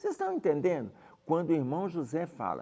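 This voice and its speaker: A man talks at a fairly quick pace. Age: 60s. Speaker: spiritist study leader. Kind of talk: religious study talk. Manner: conversational, informal.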